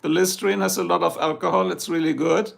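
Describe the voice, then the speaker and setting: Hoarse, gravelly German-accented man. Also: high voice, steady tone, quick pace. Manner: joking, chatty, reads out viewer comments. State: hoarse, losing his voice. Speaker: livestream host. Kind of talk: rambling casual chat with viewers.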